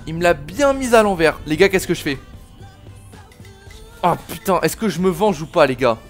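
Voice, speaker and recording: Gamer dude, angry, swears a lot, rants at the guys watching, bit of game music under it. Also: male voice, a little high, lively intonation, moderate pace. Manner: swearing, slangy, talks to viewers as "les gars". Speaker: gaming video host. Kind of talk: let's play commentary.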